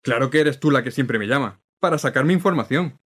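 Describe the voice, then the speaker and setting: Brief: actor as a grumbling city hall clerk trading barbs, mid-pitched voice. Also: male voice, lively intonation, brisk, a bit bright, breathy edge. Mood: bantering. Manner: grumbling, bantering. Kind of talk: radio drama acting.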